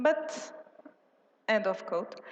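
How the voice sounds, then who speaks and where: Here, a woman speaks with a French accent. She talks at a very slow pace. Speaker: conference speaker. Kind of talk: academic talk. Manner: halting. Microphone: echo.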